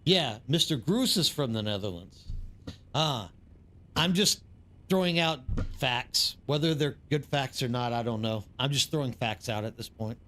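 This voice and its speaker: A man's voice: mid-range voice, lively intonation, unhurried, fairly bright tone. A man from East Texas with an American accent, chatting casually and ramblingly with viewers as he streams a game. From East Texas, United States. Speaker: live streamer. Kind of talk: casual chat with livestream viewers while gaming.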